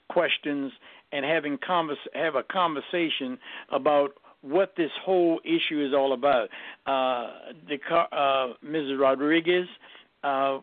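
Slow-talking older man moderating, muffled audio. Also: fairly high pitch, no echo. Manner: hesitant, repeats and reworks phrases. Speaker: host, moderator. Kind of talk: informal, halting moderation.

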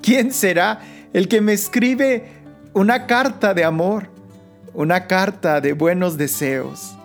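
Woman doing a soothing guided meditation like a sleep story, really slow, short phrases, soft music under it. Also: mid-range voice. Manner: soothing, unhurried, pausing between short phrases. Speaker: guide of a Christian prayer meditation.

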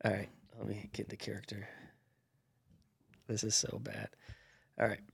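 A man's voice: fairly low pitch, monotone, moderate pace, vocal fry, husky, no echo. A man with a nasal voice co-hosting a podcast, chatty and self-deprecating. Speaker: podcast co-host. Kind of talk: casual chat.

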